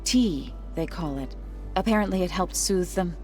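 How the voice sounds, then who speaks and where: Calm, low-voiced tribal woman played by an actress. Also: moderate pace, natural voice. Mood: musing. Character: calm, gently wry tribal woman, loyal companion. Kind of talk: video game cutscene acting. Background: faint music.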